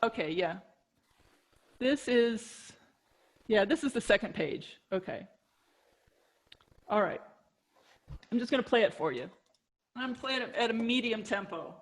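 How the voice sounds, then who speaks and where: A woman's voice: on the high side, measured pace, pauses often. A woman teaching saxophone on a video call, explaining at an easy pace with ums and restarts. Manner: relaxed explaining with fillers and restarts. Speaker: saxophone instructor. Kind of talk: online music lesson.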